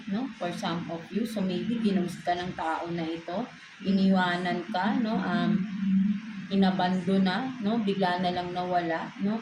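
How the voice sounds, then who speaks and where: Doing a relaxed tarot reading, a woman speaks Filipino sprinkled with English and a Filipino accent, tacking a questioning "no?" onto nearly each phrase. Her voice is on the low side, and the recording is reverberant with background noise.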